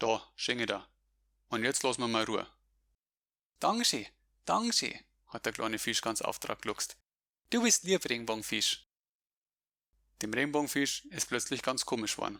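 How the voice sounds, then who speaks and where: In a Bavarian accent, a man speaks at medium pitch and a moderate pace with a bright, sharp tone, ordinary pitch variation, and long, frequent pauses. The recording is very clean with a silent background. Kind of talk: read story in Bavarian dialect.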